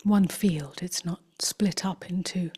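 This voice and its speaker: A woman leads a guided meditation in a slightly low, very husky and breathy voice that often slips toward a whisper. She speaks very slowly and gently, leaving long pauses between short phrases of instruction. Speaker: meditation teacher. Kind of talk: guided meditation, slow and contemplative.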